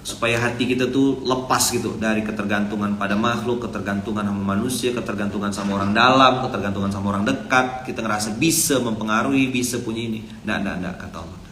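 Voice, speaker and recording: Bright-voiced, fairly high male preacher, conversational storytelling, echoey room. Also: fairly even intonation, fast talker, hardly any pauses, slight background noise. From Indonesia. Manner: chatty, storytelling, acts out dialogue. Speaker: ustadz preacher. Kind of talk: casual Islamic sermon. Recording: echoey room with faint ambience.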